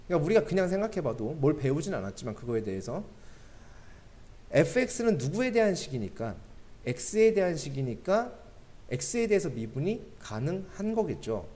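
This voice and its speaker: A man lecturing on math to a class, his voice sitting a little high and swinging widely in pitch. He talks to the students directly, keeps checking that they follow, and slips in joking asides between steps. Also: a little mellow. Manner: keeps checking understanding with quick questions to students. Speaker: math teacher.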